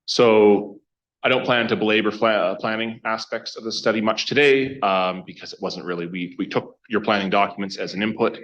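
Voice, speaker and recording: A man giving an informal presentation to a council as a consultant, speaking in a halting, conversational way and often restarting his sentences. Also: fairly low pitch, fairly bright tone. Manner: halting, conversational, self-interrupting. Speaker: consultant project lead presenting. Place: council meeting room. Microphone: meeting microphone. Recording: dull, band-limited meeting room microphone.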